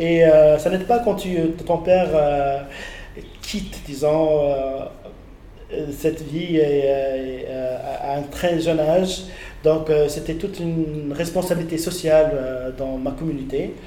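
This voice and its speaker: Speaking very slowly, a man uses a fairly high pitch and fairly even intonation. Room echo is audible, and background noise is noticeable. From Tunisia, Tunis Medina. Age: 40s. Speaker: LGBT rights activist. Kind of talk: interview. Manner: halting with frequent repetitions.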